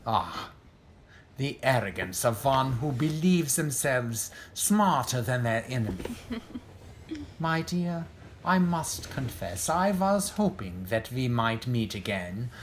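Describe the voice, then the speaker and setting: Smug nazi general, slow and theatrical, swingy pitch, bit of noise. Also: male voice, big pitch swings. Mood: smug courtesy. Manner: pompous, theatrical, mock-courteous. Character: ruthless, smug Nazi general, coldly polite villain. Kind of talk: audio drama acting.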